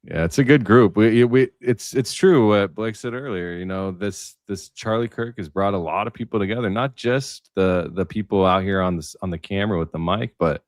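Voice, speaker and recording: A man's voice: on the low side, normal speed, few pauses, dry recording, clean studio sound. A man talking casually as a panelist and content creator on a livestream roundtable.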